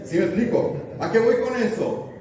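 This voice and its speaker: Middle-aged pastor, folksy sermon delivery, dark mellow voice pitched a bit high, full of rhetorical questions. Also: male voice, lively intonation, normal speed, slight background noise. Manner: keeps asking the congregation rhetorical questions; folksy, anecdotal preaching. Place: church sanctuary. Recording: echoey church room, mic at a distance, faint ambience.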